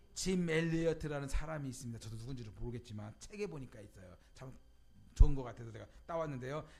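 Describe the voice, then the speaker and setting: In a room with audible echo, a man speaks with lively intonation at a fairly high pitch. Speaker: pastor. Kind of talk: sermon. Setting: church. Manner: fast.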